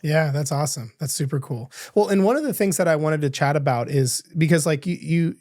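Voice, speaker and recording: A man's voice: on the high side, brisk, a little mellow, no room sound, clean studio sound. A man hosting a podcast interview, enthusiastic and rambling, with lots of restarts. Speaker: podcast host.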